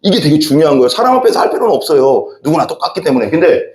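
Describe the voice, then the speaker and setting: Pastor guy preaching, voice sits a bit high and jumps all over, big echoey church sound. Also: racing. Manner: animated, talks directly to the congregation with frequent questions. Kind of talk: sermon. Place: church sanctuary.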